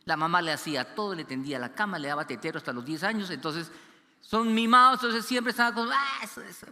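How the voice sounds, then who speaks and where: A high, bright-toned man preaches a lively sermon. He acts out the voices he quotes and sinks low and soft for solemn moments. His voice rings with the long reverb of a church hall. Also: fast talker. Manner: animated, acts out quoted voices, drops low for serious stories. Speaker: pastor.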